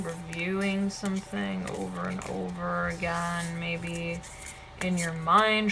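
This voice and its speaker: Slow, slightly hoarse woman reading tarot. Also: lowish voice, background noise. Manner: soft, meandering, hedging with "okay?" and "right?". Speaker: tarot reader. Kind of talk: intuitive tarot reading, speaking to viewers.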